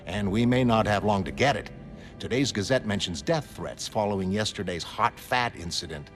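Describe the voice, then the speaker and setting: A man's voice: lowish voice, normal speed, a bit bright, lightly acted. A man playing an earnest, analytical middle-aged former hero laying out his reasoning. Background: music.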